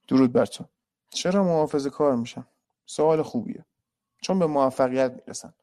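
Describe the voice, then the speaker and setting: A man's voice: a little high, a little mellow, no echo, clean studio sound. A man analysing football on a live stream, reading viewer questions and giving blunt, opinionated answers.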